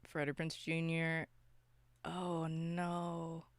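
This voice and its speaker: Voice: mid-range voice, monotone, extremely slow, no echo. A podcast co-host chatting casually about films in a slangy, exclamatory way.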